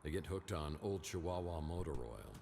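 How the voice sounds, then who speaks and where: An actor playing a weary hard-boiled private detective in an adventure game, musing wryly in a gravelly noir narration. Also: male voice, rumbling low, expressive, normal speed, background noise, exaggerated voice. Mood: somber. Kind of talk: scripted game character monologue. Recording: game audio with loud music behind.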